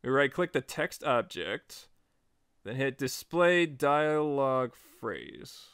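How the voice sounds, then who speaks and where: A man narrating a software tutorial in a chatty, informal way, guiding step by step. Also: mid-range voice, lively intonation, slow, smooth, no echo, studio quality. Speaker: tutorial host.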